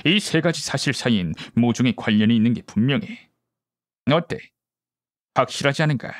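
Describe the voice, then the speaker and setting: Guy reading as a confident detective man, methodical explaining, bossy, mid pitch, audiobook, close dry sound. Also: lively intonation, moderate pace, no echo, natural voice. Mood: analytical, assured. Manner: deductive, explanatory, commanding. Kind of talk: audiobook character dialogue.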